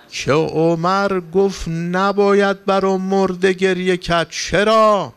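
A man's voice: high-pitched, clean tone. Impassioned male cleric preaching. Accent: Persian, from Iran. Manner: impassioned storytelling, rising for emphasis. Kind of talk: sermon. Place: religious gathering hall.

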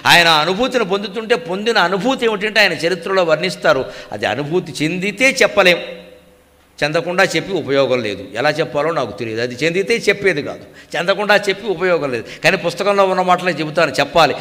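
An older man with a Telugu accent giving a spiritual discourse in Telugu, now and then chanting Sanskrit verses slowly in a sing-song. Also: a little high, lively intonation, pushed and bright. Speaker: spiritual speaker. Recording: long hall reverb.

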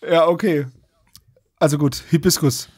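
A man chats and jokes casually as a podcast co-host. His voice is husky and slightly high. It is recorded very dry. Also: fairly even intonation, a little slow, a little mellow, no echo. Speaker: podcast co-host and quiz contestant. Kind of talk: casual joking chat.

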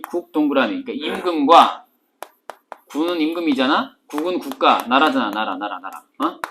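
A woman teacher giving an exam-prep literature lecture, animated and teasing, switching between polite and casual speech. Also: lowish voice.

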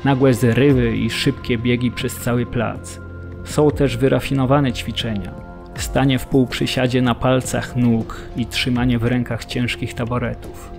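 Gravelly male camp prisoner. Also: mid-range voice, little pitch movement, measured pace, a little mellow, faint music behind. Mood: grim. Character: male camp prisoner describing punishing drills. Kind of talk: dramatised documentary narration of survivor testimony.

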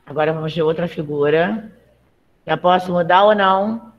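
A woman's voice: fairly low pitch, normal speed, muffled recording. Woman teacher, online grammar class, chatty and encouraging, motherly with students. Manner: chatty, checks in with frequent "tá?". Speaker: Portuguese teacher. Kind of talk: live online grammar lesson.

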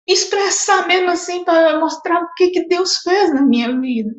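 A woman's voice: very high voice, moderate pace, roomy sound. A Brazilian woman with a Brazilian Portuguese accent giving a fervent, tearful religious testimony, crying as she talks, repeating herself. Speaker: testimony guest.

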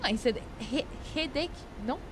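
A woman's voice: expressive, moderate pace, noisy background. French-accented young woman streamer, playful. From France. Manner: playful, bursts into giggles, swings high when protesting. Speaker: VTuber streamer. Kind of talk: casual gameplay chat with viewers.

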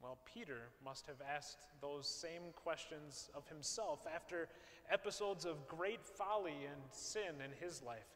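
A male pastor, preaching from a pulpit in a large church, measured and posing rhetorical questions. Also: on the high side, a bit bright. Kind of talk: sermon. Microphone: far camera, pulpit mic. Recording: long church reverb, faint hiss.

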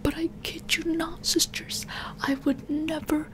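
A woman's voice: very high voice, flat delivery, measured pace, pitched above the performer's own voice, poor audio. A woman playing a tearful, self-pitying beauty influencer, whining and pleading in a whispered comic ASMR roleplay. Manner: whiny, sobbing, melodramatic.

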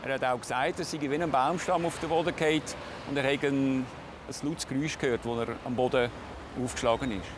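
A man's voice: mid-range voice, steady tone, fast. A man with a Swiss German accent, a police investigator, recounting events plainly in a documentary interview on a city street. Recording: street noise behind. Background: urban street noise, passing vehicles.

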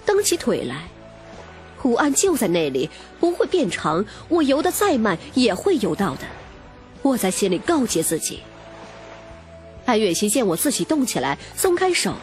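A woman reading a romance novel as dramatic, scripted first-person narration. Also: medium pitch. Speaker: audiobook narrator. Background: music.

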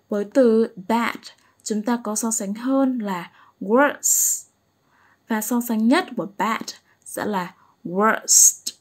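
Female English teacher. Slightly high voice, unhurried, patient delivery that keeps checking understanding. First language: Vietnamese. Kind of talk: slow explanatory lesson.

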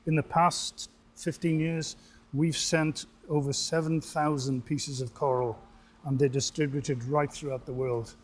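A man's voice: on the high side, a little slow. An older man from Wales, an aquarium director, telling stories in an outdoor TV interview on a lapel mic. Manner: articulate, relaxed storytelling.

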